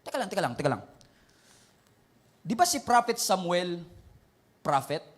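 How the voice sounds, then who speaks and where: A male pastor with a Filipino accent preaching a sermon, mixing Tagalog and English, loud and emphatic. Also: high-pitched, very animated, moderate pace.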